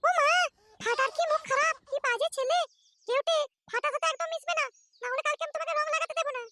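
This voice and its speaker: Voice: very high-pitched, fast talker, sharp tone. An actor voicing a prim, scolding little girl in a comedy cartoon. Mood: offended, prim. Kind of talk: comic cartoon dialogue.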